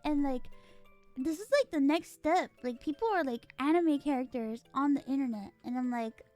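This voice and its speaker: A woman's voice: sits high, moderate pace, faint music behind. A young woman chatting casually, telling stories with dramatic exclamations and quoted dialogue. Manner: animated storytelling, dramatic exclamations. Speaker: streamer. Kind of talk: casual chat.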